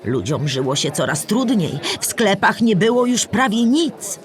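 A woman's voice: medium pitch, very animated, unhurried. A woman playing an older storyteller who remembers the war, explaining history patiently in a scripted audio drama for children. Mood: explanatory, grave.

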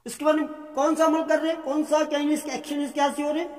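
A man teaching an English grammar lesson. He asks the class questions and answers them himself, dropping low and soft on each answer word. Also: level tone. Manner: reads each example sentence slowly. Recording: echoey room with long reverb.

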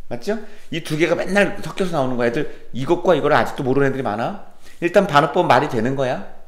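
A man's voice: on the high side, quick pace. A man teaching literature in a classroom, lecturing animatedly and firing questions at his students. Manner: animated, questioning students, quoting lines in a put-on voice. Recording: roomy classroom echo.

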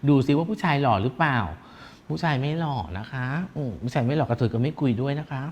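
A man's voice: mid-range voice, fast talker, a little mellow. A man hosting a celebrity gossip chat, teasing and giggly, with a camp manner and feminine polite endings. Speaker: gossip show host.

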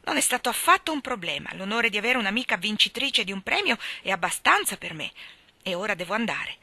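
A woman voicing an excited, chatty teenage girl who talks eagerly and breathlessly in a storybook. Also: mid-range voice, fairly quick, no room sound, heavily acted.

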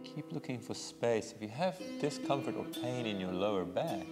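Man, middle-aged yoga teacher, very low voice, soft guitar music behind, long reverb. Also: expressive. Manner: slow, soothing cues timed to the breath. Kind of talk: guided yoga class instruction. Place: indoor yoga studio with bare walls. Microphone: small clip-on lapel mic.

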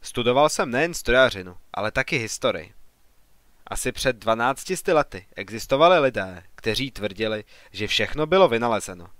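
An ambitious young engineer pleads his case with earnest heat, as a man reading the story puts him on. The voice sits at an ordinary middle pitch. It is recorded dry and close. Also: fairly bright tone, dry recording, lightly acted. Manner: earnest, argumentative.

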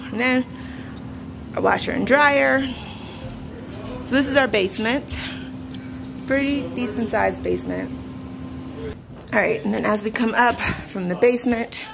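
A young woman vlogger gives a casual house tour, chatting about each room, laughing often and ranting now and then. Her voice is mid-range and creaky, recorded on a handheld phone camera as she walks, with noisy home sound.

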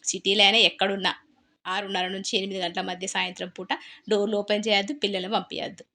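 A woman's voice: medium pitch, little pitch movement, fast talker, bright, forceful tone. A woman with a Telangana Telugu accent, chatting casually as a cooking vlogger and telling a story while she cooks, often repeating her phrases.

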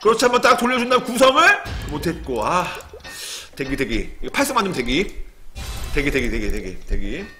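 A young man streaming a game, commenting casually and excitably, muttering one moment and yelling and cursing the next. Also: fairly high pitch, fairly quick, music in the background. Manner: excitable, swings from muttering to sudden yelling and swearing.

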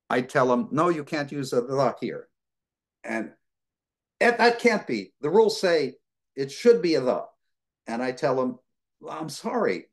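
An older man from the United States talks through a video call from his home, answering students' questions. His delivery is relaxed and rambling, full of fillers and restarts. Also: medium pitch. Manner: relaxed, rambling, many fillers, gestures with hands. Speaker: guest lecturer. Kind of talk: conversational Q&A answer. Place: home living room.

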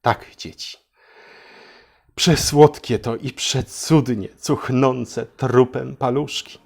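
A man's voice: mid-range voice, fairly even intonation, slow pace, gravelly, darkish tone, breathy edge, full character voice. A man voicing a mock-sweet storyteller who lectures children condescendingly and fawns solemnly over his ruler in a satirical fairy tale for adults. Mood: hushed mock tenderness.

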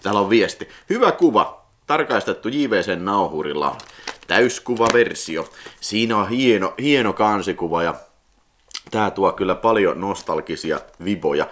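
Man, 40s, vlog host. Lively, swooping delivery with excited squeals over each find. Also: on the low side, a little hiss or hum. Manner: excited squealing exclamations, rambling and nostalgic. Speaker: video collector channel host. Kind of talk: casual unboxing vlog.

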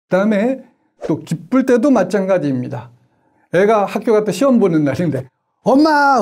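A man's voice: fairly high pitch, mellow. A middle-aged man teaching parents in a lecture, asking them questions and acting out everyday examples. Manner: asks the audience questions and acts out examples.

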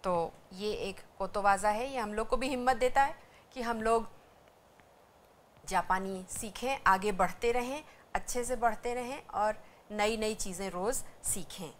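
A woman's voice: mid-range voice, unhurried, slight background noise. A woman teaching a language lesson, explaining patiently and repeating syllables one by one for students to practice. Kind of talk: educational lecture.

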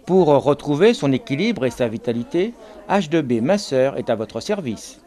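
A man narrating and interviewing for a local TV news report, in a measured, scripted way. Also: medium pitch, very animated, dark tone.

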